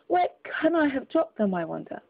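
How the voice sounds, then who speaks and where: A woman doing a fretful, squeaky white rabbit. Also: sing-song, normal speed, vocal fry, full character voice. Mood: anxious. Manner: fretful, exclaiming, high and agitated. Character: fussy anxious male white rabbit. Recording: tinny phone-like audio.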